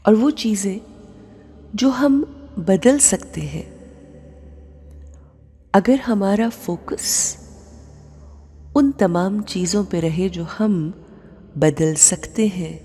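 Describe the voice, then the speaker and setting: A woman leading a guided meditation and prayer, speaking softly in short, measured phrases with long pauses. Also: medium pitch, breathy edge. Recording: long reverb with music bed. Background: music.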